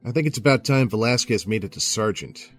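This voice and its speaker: Man acting a male police captain, deep, plain-spoken, gruff, reserved, audio drama. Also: fairly quick, fairly bright tone, soft background music, close to an everyday voice. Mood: matter-of-fact.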